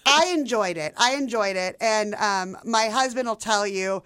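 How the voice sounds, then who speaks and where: A woman's voice: mid-range voice, normal speed, a bit bright, clear, resonant tone, no room sound. A woman co-hosting a podcast, talking through her reading in an earnest, explanatory way. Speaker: podcast co-host. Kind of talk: casual book chat.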